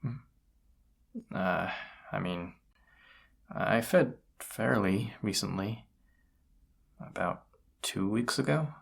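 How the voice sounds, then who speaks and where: Man acting as flustered incubus, slow halting pace, husky, soft-spoken, tired, intimate audio drama. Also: lowish voice, animated, exaggerated voice. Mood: thoughtful, casual. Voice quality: husky, gravelly. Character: tired, flustered male incubus roommate confessing feelings. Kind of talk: roleplay audio drama, intimate one-sided dialogue.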